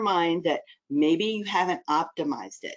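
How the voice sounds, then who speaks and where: A woman with a Texas accent speaks in an animated tone with ordinary pitch variation. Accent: Texas Southern drawl. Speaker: marketing trainer. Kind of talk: webinar presentation. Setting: online webinar.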